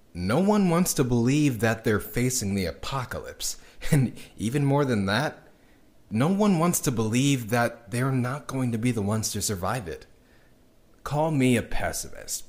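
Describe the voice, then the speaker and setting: In an audio drama, an actor with a medium-pitched voice plays a bitter, hopeless man recording a diary, speaking in a conversational, halting and cynical way.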